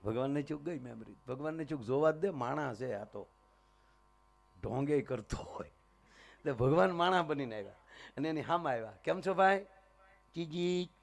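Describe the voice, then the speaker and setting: A man's voice: medium pitch, moderate pace, creaky, long pauses. A man telling comic stories at a live folk show, acting out each character. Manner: animated, acts out every character in the story. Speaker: folk comedian storyteller. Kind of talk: live folk comedy storytelling.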